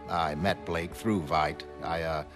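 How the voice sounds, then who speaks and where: A man's voice: sits low, fairly even intonation, takes it slowly, voice pushed down. A man voicing a nervous middle-aged man who hesitates and hedges. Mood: evasive. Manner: hesitant, with many "uh"s. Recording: music underneath.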